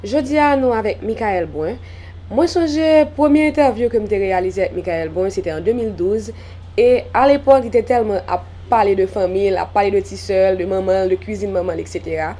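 A young adult woman hosting a TV magazine interview, asking friendly, steady questions on a home veranda with a lapel mic. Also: mid-range voice, fairly quick. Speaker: TV magazine host.

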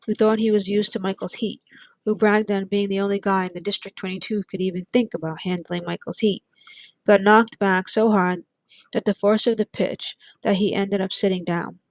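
A woman reading a chapter of a novel aloud, in steady, plain storytelling. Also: mid-range voice, moderate pace, dry recording. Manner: steady, plain storytelling with light character voices. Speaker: audiobook reader. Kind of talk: read-aloud narration.

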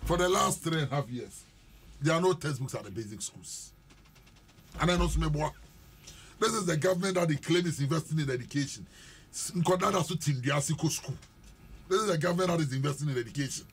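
Forceful Ghanaian man arguing on radio. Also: a little high, animated, brisk, slightly rough. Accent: Ghanaian English. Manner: forceful, emphatic, talks over others. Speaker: panelist. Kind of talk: heated political radio debate. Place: radio studio. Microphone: studio mic on boom.

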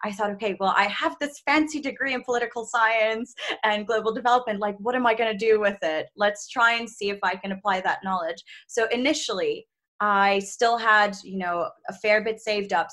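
A woman's voice: medium pitch, fairly bright tone. A woman in her twenties, a native Czech speaker, chatting candidly and laughing often in a video-call interview from a small room at home. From Czech Republic. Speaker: travel content creator, guest. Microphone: video call, laptop mic.

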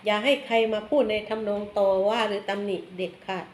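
A woman's voice: medium pitch, steady tone, fast talker, a little mellow. Chatty woman reading tarot, echoey room. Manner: chatty, blunt, ends phrases with polite particles. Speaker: tarot reader. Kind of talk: casual tarot reading monologue. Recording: echoey room, faint background noise.

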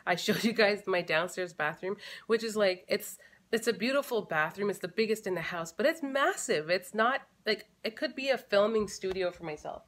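A woman's voice: medium pitch, animated, moderate pace, a bit bright. A woman in her thirties chatting casually to camera in her living room, thinking aloud with fillers and restarts. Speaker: family vlogger. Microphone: camera close in front.

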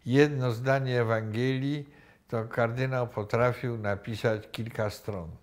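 Older guy talking real slow, stops and restarts a lot, clip-on mic in a room. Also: medium pitch, fairly even intonation. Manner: slow, halting, many pauses and restarts. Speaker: interviewee. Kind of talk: reflective recollection. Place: indoor room with wooden cabinets. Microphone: lapel.

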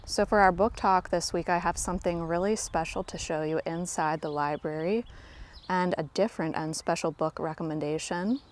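A woman's voice: lowish voice, normal speed. Chatty woman walking her garden. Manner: chatty and self-deprecating, talks to viewers as friends. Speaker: garden vlogger. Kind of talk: casual garden tour narration. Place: outdoors in a home garden. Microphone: handheld phone camera, speaker off screen.

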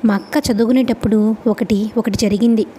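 A woman's voice: fairly high pitch, steady tone, brisk, warm tone, slight background noise, natural voice. A woman reading the lines of an earnest, anxious young man confiding in a friend, in her own voice. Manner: plain read-aloud dialogue.

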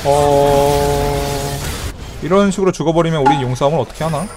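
A man streaming a video game with live commentary, excitable and trash-talking playfully, shouting sound effects between slow remarks. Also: on the high side. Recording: game music playing behind.

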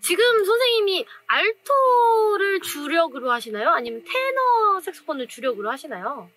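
High, lively young woman host. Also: moderate pace. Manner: polite, attentive, eager. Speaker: host, saxophone teacher. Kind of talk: interview questions. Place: indoor studio with curtain backdrop. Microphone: off-camera mic, seated two-shot.

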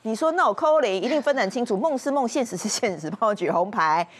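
A woman hosting a talk show, introducing guests and asking questions in a brisk, upbeat way. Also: fairly high pitch, lively intonation, breathy edge. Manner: brisk, upbeat host patter. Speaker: host. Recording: music under the voice.

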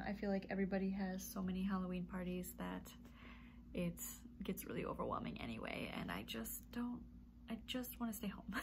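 A woman in her thirties chats to camera in her yarn-filled home room, rambling easily with little laughs and ums. Her nose is stuffy and her voice has a gravelly edge. A steady hiss of background noise sits under the recording. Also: mid-range voice. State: stuffy nose, a bit congested. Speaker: knitting podcast host. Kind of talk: casual chatty monologue to camera.

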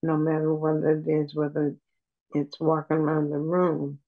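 An older woman on a video call at home, speaking softly and haltingly with many pauses as she talks about her life as a patient. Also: sits low, monotone, narrow, tinny audio. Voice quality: soft voice. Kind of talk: personal account in an interview. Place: room at home. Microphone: video call webcam.

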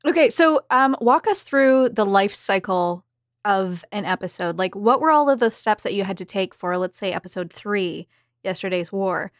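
A woman's voice: medium pitch, expressive, normal speed, no room sound, clean studio sound. A woman asking questions as the interviewer in a casual roundtable.

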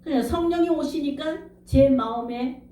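A woman's voice: sits high, unhurried, warm tone, distant mic. A middle-aged woman pastor preaching a revival sermon with emphasis, firing questions at the congregation. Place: church sanctuary. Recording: echoey room, speaker off-mic.

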